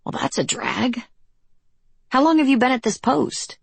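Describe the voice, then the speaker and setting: A woman voicing a defiant young woman who speaks in a sharp, cutting, taunting way. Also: sits high, animated, a little slow, vocal fry, breathy edge, no echo, pitched above the performer's own voice, exaggerated voice.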